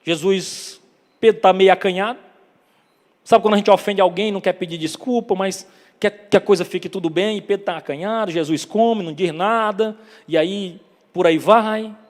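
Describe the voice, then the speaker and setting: A man with a northeastern Brazilian accent preaching a sermon, telling the story dramatically, acting out dialogue and building to loud climaxes. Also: high voice, normal speed. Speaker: evangelist preacher. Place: church hall. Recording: long church reverb.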